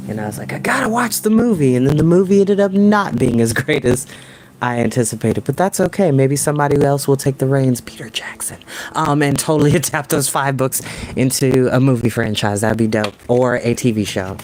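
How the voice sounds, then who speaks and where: A man's voice: mid-range voice, brisk, a little mellow, slight background noise. A young adult man reading a book aloud as a storyteller, with casual, enthusiastic asides in slangy language. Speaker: storytime reader and host. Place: small home room with desk and bookshelves.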